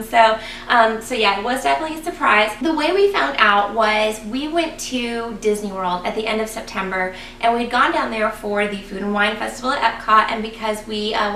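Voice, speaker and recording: A woman vlogging casually to her viewers, chatty and excited, a little raspy and congested from a cold. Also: fairly high pitch, distant mic, a little hiss or hum. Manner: chatty, excited, lots of ums. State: congested, getting over a cold. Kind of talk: casual vlog talking to viewers. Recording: echoey room, voice a bit off-mic.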